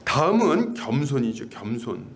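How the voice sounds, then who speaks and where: A man's voice: medium pitch, sing-song, unhurried, gravelly. A pastor preaching a sermon in a conversational way, asking his congregation questions and acting out little bits of dialogue.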